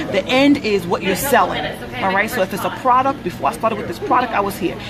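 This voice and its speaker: A woman with a New York accent talks at a very fast pace, her tone animated and her intonation lively, with audible room echo and crowd noise in the background. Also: fairly high pitch for a woman. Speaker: online business coach. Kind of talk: motivational live stream coaching. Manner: animated, repetitive.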